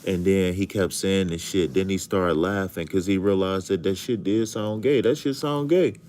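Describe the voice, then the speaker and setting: Laid-back joking man, low voice. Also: fairly even intonation, normal speed, a little mellow, slight background noise. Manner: joking, storytelling, profane slang. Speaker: tarot reader streamer. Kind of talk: casual livestream chat.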